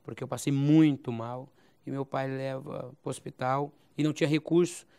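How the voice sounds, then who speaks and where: A man in his forties with a Brazilian accent from Goiás, a pastor telling his life story as a guest in an interview, with a halting style that often repeats phrases and adds "né?". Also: mid-range voice, fairly even intonation, vocal fry, warm tone, clear, resonant tone. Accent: Brazilian Portuguese, Goiás. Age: 40s. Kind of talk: recounting a personal testimony.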